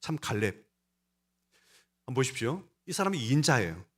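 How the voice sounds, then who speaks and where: A male pastor preaches with a mid-pitched voice. His delivery is emphatic and swells and drops as he speaks directly to his congregation. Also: big pitch swings, moderate pace. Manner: emphatic, rising and falling delivery. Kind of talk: sermon.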